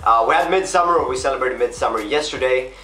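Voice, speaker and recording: A young man from Sweden, vlogging casually to camera in a small bedroom, his voice deep and rough after a night of drinking, rambling with many fillers. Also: quick pace, fairly bright tone, echoey room, slight background noise. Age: young adult. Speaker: gaming vlogger. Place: small bedroom desk setup, indoors.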